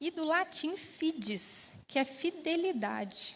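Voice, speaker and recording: Lively intonation marks this woman's speech in an Espírito Santo accent. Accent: Espírito Santo (capixaba). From Espírito Santo, Brazil. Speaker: physician giving a spiritist talk. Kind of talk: lecture. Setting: spiritist center hall with audience, streamed on Facebook.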